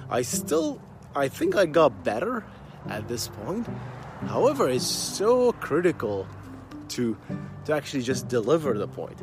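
A slow-talking man, chatting to camera about his work. His low-ish voice swings widely up and down as he restarts and repeats words. Music plays underneath him throughout. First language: Arabic. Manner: halting, repeats words, many fillers. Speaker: software engineer and YouTuber. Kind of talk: casual talk to camera.

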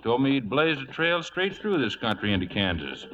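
An actor playing an easygoing, talkative drifter cowboy with rustic, colloquial speech in a 1940s radio western. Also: male voice, mid-range voice, big pitch swings, normal speed, a bit bright, slight background noise. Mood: eager, casual. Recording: muffled vintage radio recording.

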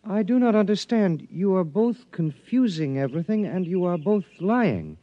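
A man's voice: high-pitched, sing-song, moderate pace, dry recording, lo-fi sound. An actor playing a stiff, formal young man with an alien secret in a 1950s radio drama, talking without contractions, on an old broadcast recording. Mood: reproachful.

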